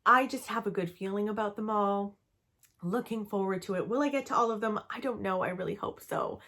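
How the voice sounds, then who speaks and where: Speaking briskly in a slightly bright, medium-pitched voice, a young woman from Canada reviews books in a relaxed vlog. She's chatty and excited, saying "um" and "like" a lot.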